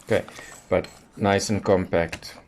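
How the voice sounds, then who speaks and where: A man giving a casual, unscripted demonstration as a hobby reviewer, thinking aloud in an unhurried way as he handles the item. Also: deep voice, fairly even intonation, creaky, darkish tone, slight background noise.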